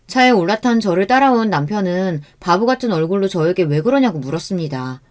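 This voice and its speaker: A woman narrating a scripted first-person life story in a steady, earnest way. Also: fairly low pitch.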